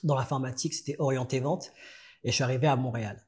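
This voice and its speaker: A man from France, a guest on a podcast interview, telling his story in a relaxed, halting way with frequent restarts. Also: mid-range voice.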